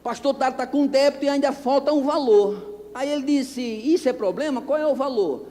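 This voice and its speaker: A man preaching as a pastor, telling stories and acting out the dialogue with sudden shouts. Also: extremely high pitch, normal speed. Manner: animated, acts out dialogue, bursts into shouts. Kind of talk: storytelling sermon. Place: church anniversary service. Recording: long reverb of a church hall.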